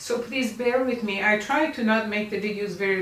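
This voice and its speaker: With a Persian accent, the speech runs at a moderate pace with ordinary pitch variation over noticeable background noise. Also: woman. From Iran. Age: 70s. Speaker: writer and public speaker. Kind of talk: personal storytelling monologue.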